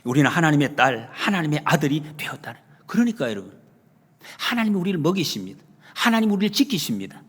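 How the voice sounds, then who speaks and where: A male pastor delivers a Sunday sermon in a church sanctuary. His voice sits a little high and swings widely as he builds to emphatic calls. A husky edge colors his voice, and long reverb from the hall trails his words. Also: fast talker. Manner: animated preaching, rising to emphatic calls; retells scenes with acted quotes.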